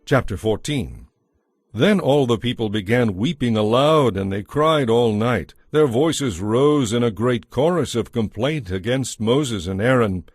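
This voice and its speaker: A man narrating a dramatized audio Bible with measured, solemn scripted delivery. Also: mid-range voice, expressive, slightly rough, no room sound, studio quality.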